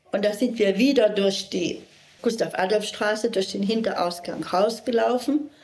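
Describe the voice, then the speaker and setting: Noticeable background noise can be heard throughout. The woman's pitch is fairly high. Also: ordinary pitch variation, moderate pace. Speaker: Holocaust survivor. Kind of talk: testimony.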